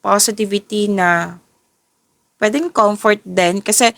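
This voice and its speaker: A woman's voice: medium pitch, fairly even intonation, takes it slowly, gravelly, a bit bright, no room sound. A tired woman giving a casual tarot reading, often stopping to correct and rephrase herself. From Philippines. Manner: self-correcting, restarts and rephrases as she goes. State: tired, voice a little off. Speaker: tarot reader. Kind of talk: casual tarot reading, mixing English and Tagalog.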